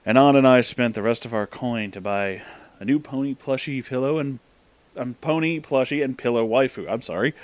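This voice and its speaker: A man's voice: a little high, a bit bright. A man hosting a casual comic read-aloud, informal and amused, with asides to the listener. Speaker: reader and host of a story-reading show.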